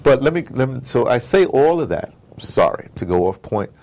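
Gravelly-voiced man in digressive interview talk. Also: medium pitch, moderate pace. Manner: animated storyteller who repeats words and wanders off point. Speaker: interviewed audio drama producer. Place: at his home base in New York.

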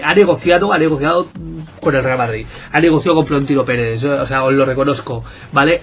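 A man with a Spain Spanish accent, giving excitable, jokey gameplay commentary and bantering with his viewers. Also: fairly high pitch. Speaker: gaming YouTuber.

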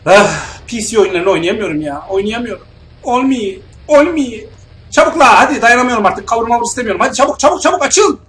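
A young man giving let's play commentary on a video game, swinging between muttered remarks and sudden yelling and swearing at the enemies. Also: high-pitched, fast talker. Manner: excitable, yells and swears at enemies, then mutters calmly. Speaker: gamer playing a video game. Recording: roomy echo with faint game music.

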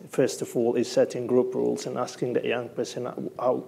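A young man on a conference panel, speaking softly about running a youth program. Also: medium pitch, completely flat delivery, brisk, creaky, husky. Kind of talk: panel discussion answers. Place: conference stage with plants.

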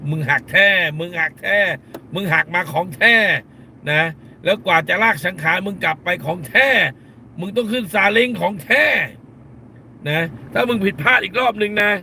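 Blunt gravelly man ranting on a live stream. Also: high-pitched, sharp tone, slight background noise. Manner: blunt, scolding, uses crude slang; repeats phrases for emphasis. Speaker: lawyer and live-stream host. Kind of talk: casual live-stream commentary.

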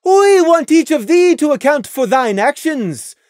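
A stern royal mare who speaks in thee and thou, pitched high and loud, as a reader puts her on. Her speech swings widely in tone, imperious and commanding. The recording is dry and close. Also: very animated, unhurried, no room sound. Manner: archaic formal speech, commanding. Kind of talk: audiobook reading of fan fiction.

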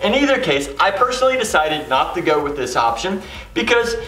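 A man's voice: sits high, sing-song, brisk, sharp tone, low-quality recording. A middle-aged man hosting a home improvement lesson, explaining practical steps in a plain-spoken, instructional way. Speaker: host of a home improvement how-to show. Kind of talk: instructional how-to explanation to camera.

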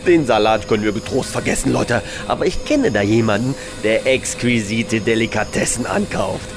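An actor playing a swaggering, wheeling-dealing space captain with theatrical, exclamatory delivery in a comedy audio drama. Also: male voice, fairly low pitch, normal speed, close to an everyday voice. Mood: scheming. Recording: echoey hall reverb, music behind.

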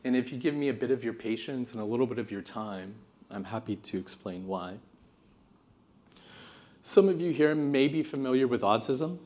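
A keynote speaker in his thirties from California, with an American accent, gives an earnest, animated and passionate conference keynote to a seated audience. His voice is medium in pitch at a normal speed. He uses a podium microphone while moving around the stage.

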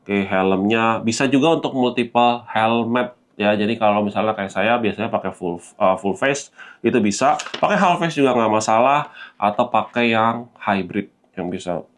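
Low-voiced man presenting casually. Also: moderate pace, a little hiss or hum. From Indonesia. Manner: conversational, explanatory, addresses viewers as friends, mixes in English terms. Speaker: gadget reviewer and vlog host. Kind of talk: casual product unboxing commentary.

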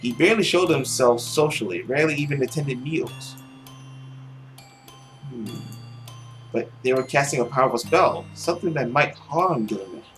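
A young man with a medium-pitched voice reads a story game aloud in a dramatic, expressive way. He adds his own commentary as he plays, and music runs faintly behind him. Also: moderate pace, long pauses. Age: young adult. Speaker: video game player and narrator. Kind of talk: reading visual novel text aloud with commentary. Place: small room at home, indoors.

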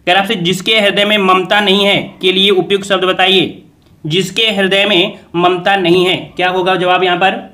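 Bright high-voiced exam tutor. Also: male voice. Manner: repeats answers as questions to the viewers, brisk and coaxing. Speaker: exam coaching teacher. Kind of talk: quiz-style exam revision lesson.

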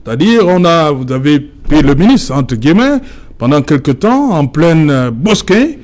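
A man's voice: a little high, big pitch swings, moderate pace, darkish tone. A young man hosting a studio talk show, asking probing questions with frequent restarts. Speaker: TV debate host.

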